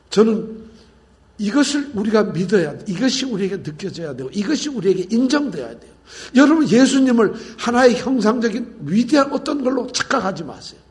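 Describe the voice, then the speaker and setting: A man preaching a sermon, emphatic, asking the congregation questions and swinging between cries and quiet murmurs. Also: high-pitched. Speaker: pastor.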